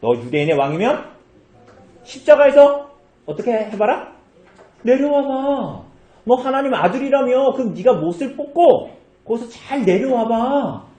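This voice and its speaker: A man's voice: very high-pitched, big pitch swings, mellow, echoey room, voice pushed up, full character voice. A man voicing a soldier who taunts a crucified man, stretching out his mocking words, within a sermon. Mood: taunting. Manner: taunting, drawn-out mockery.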